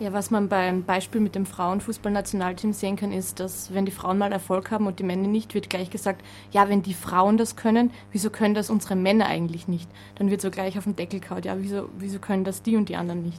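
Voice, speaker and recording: A flat, monotone delivery at a fairly quick clip. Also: woman, medium pitch for a woman. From Austria, Vienna. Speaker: university student. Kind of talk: panel discussion. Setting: studio.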